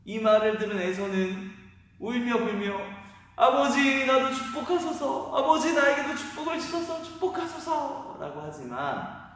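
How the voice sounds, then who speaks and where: Animated pastor telling a story to kids. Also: male voice, mid-range voice. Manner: animated, questioning the listeners. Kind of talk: children's sermon storytelling. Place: church sanctuary. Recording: echoey hall from far off.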